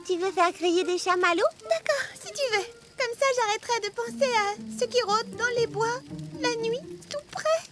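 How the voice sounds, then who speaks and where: Brief: high, lively little cartoon girl, nervous and chatty, music under. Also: normal speed. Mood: calm. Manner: jittery, stammering when scared. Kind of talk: French cartoon dub.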